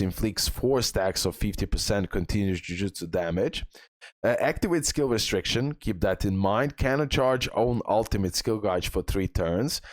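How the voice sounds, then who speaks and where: Male gaming guide host, fairly deep, dry sound, casual slangy delivery with enthusiastic emphasis. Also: dry recording. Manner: informal, enthusiastic bro slang, emphatic repetition. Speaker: video game guide host. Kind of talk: casual gaming commentary, reading out skill descriptions.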